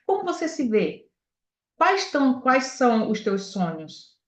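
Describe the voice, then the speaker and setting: A woman whose voice is a little high speaks at a measured pace in her motivational talk as a sales director. She's animated throughout, telling her own stories and questioning listeners directly. The room echoes, and the sound comes across as dull lo-fi.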